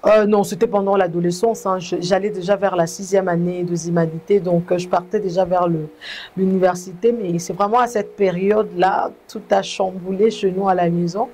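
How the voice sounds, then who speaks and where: Young Congolese woman, interview guest, low mellow voice, earnest and halting. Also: steady tone, a little hiss or hum. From Congo (DRC). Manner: measured, earnest, hesitant restarts. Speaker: guest, gospel singer. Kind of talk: testimony interview.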